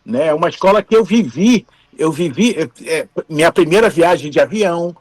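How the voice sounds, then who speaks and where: Here the Brazilian ex-camera operator in his fifties talks a little fast in an animated, slightly high voice. He's telling stories in an interview, playing out the dialogue himself.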